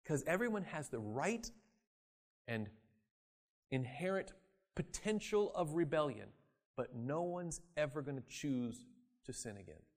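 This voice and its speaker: Guy preaching, fairly high voice, gets loud then drops real soft, acts out the quotes. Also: lively intonation, measured pace, pauses often. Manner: swings from loud emphatic to quiet. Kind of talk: sermon.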